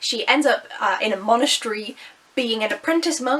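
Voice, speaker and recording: A woman with a British accent talks at a fairly quick pace and fairly high pitch, with ordinary pitch variation and noticeable background noise. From Britain. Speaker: book reviewer. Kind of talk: casual talk to camera.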